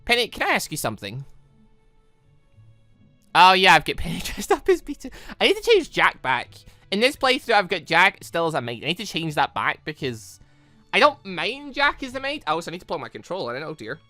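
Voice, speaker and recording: A gaming host chats through a playthrough in a bright, forceful voice. The delivery is casual and rambling, with frequent self-corrections. The sound is dry, with music playing behind the voice. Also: medium pitch, huge pitch swings, a little fast, no echo. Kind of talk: casual let's-play commentary.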